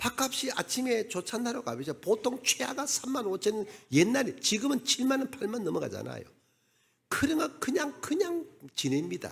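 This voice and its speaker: Pitched extremely high, a man's voice carries lively intonation. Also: moderate pace. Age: 70s. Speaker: retired pastor, revival preacher. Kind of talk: sermon. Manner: animated.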